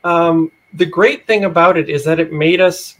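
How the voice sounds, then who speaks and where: A man with a fairly high voice for a male speaker talks as a podcast guest. He explains a writer's craft in an informal, conversational way. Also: normal speed, fairly bright tone. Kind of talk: casual explanatory talk.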